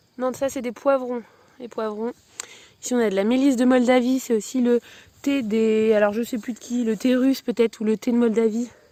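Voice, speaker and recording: Through noticeable background noise, a woman speaks at a high pitch with monotone, flat intonation. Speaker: home gardener vlogger. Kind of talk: casual garden tour. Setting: outdoors in garden. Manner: fast; hesitant, many fillers.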